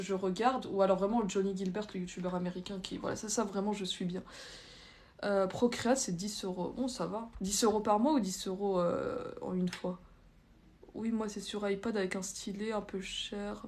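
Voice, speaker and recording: A young adult woman chatting informally on a livestream, reading out comments and answering them bluntly in hesitant, loose phrasing. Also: mid-range voice. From France. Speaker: livestream host. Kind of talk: casual live chat, reading out and answering viewer comments.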